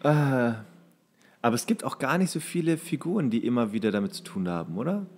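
A man's voice: medium pitch, sing-song, brisk, a little mellow, a little hiss or hum. A man co-hosting a podcast, chatting casually. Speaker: podcast co-host.

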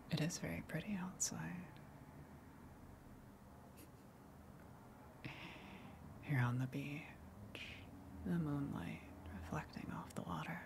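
A woman voicing a luring tentacled sea monster in an ASMR roleplay, coaxing softly in a breathy, hushed whisper with long pauses. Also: low-pitched. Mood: tender, admiring.

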